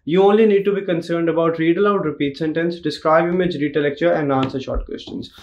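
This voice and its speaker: A man in his thirties with an Indian accent, tutoring test takers in a steady, reassuring way that repeats the key points, recorded in a small home studio. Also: fairly high pitch, quick pace, lo-fi sound. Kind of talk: instructional talk to camera.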